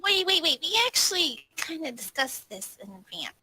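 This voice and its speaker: Gal in a tabletop game, high bright voice, super animated, wry casual improv. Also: female voice, moderate pace, no echo. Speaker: roleplaying game player. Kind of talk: casual in-character improvised dialogue.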